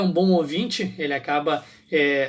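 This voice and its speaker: A man speaks at a fairly high pitch with ordinary pitch variation, on a very clean recording with a silent background. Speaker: behavioral profile coach. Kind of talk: live stream talk. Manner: fast; loud.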